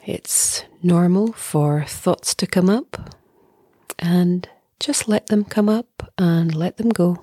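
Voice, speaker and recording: A middle-aged woman leading a guided meditation as a teacher, speaking softly and breathily in a calm, gentle way with long pauses. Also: lowish voice, no echo, clean studio sound. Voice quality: soft, breathy.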